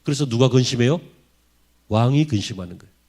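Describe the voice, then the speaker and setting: A man's voice: mid-range voice, animated, quick pace, darkish tone. A man preaching a sermon as a pastor in a church, driving his points home with rhetorical questions to the congregation. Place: church sanctuary.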